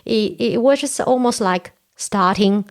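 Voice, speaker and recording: A woman in her forties from China, Korean being her first language, speaks a little slowly in a mid-range voice. She's a Toastmasters area director guesting on a podcast, earnestly explaining step by step during a casual interview chat.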